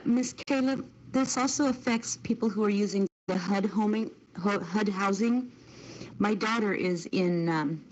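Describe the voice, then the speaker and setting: Older-ish american woman chiming in casually, lowish voice, muffled with a little noise. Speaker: show participant chiming in. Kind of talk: casual personal account. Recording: lo-fi, faint background noise.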